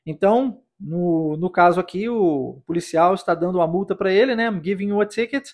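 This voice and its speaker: A man's voice: high voice, normal speed, darkish tone. A man from Brazil whose first language is Portuguese, teaching English in a podcast lesson and patiently modeling phrases for listeners to repeat.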